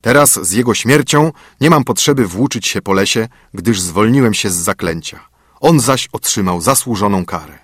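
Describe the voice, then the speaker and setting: A calm, measured young prince in a storybook, as a man reads him. The voice is slightly husky and dry, with a lively melody. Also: lowish voice, dry recording.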